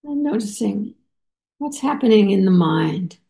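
A woman meditation teacher leading a guided meditation, unhurried and halting, with many soft pauses and fillers. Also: medium pitch, expressive, vocal fry. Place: meditation center.

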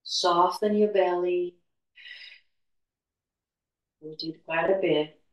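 A woman teaching guided meditation and gentle movement in a soothing, unhurried, spiritual healer-like manner. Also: fairly low pitch, steady tone. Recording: echoey room, distant from mic.

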